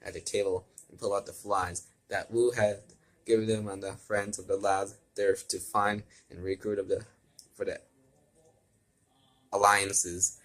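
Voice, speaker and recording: A man's voice: on the low side, flat delivery, measured pace, fairly bright tone. A man reading fan fiction aloud as an amateur, stumbling over words, repeating and correcting himself and adding his own asides.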